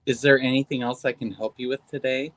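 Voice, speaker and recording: A woman's voice: rumbling low, steady tone, fast talker, no echo, poor audio. An actress playing an anxious, apologetic trans woman volunteer helping a caller over a video app, in a hesitant way. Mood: earnest. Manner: hesitant and apologetic, with frequent "I'm sorry". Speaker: volunteer on a visual-help app call. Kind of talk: stage play performed over video call.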